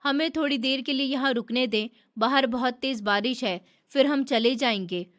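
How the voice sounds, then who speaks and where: A woman's voice: high-pitched, moderate pace, a bit bright. Woman narrator doing a menacing drunk stranger with a heavy voice. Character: intoxicated male stranger with a heavy voice.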